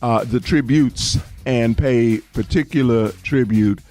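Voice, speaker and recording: A man co-hosting a sports talk show, speaking in a relaxed, conversational way. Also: medium pitch, takes it slowly, soft background music. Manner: relaxed, conversational, wraps up segments.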